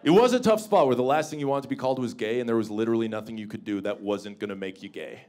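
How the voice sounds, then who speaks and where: A man in his thirties from Canada, with a deep voice, doing a stand-up set into a handheld mic in a small comedy club. He talks in a wry, self-mocking way and breaks into bursts of mock bluster. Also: very fast, darkish tone. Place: small comedy club stage with a seated audience. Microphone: handheld stage microphone.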